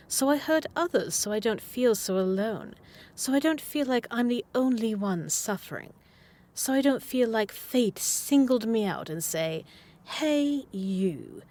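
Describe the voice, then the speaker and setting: A woman's voice: medium pitch, darkish tone. A woman playing a playful, obsessive, needy supervillain who is smitten with the hero, in a scripted roleplay spoken to the listener with coy, dramatic emphasis. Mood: self-pitying.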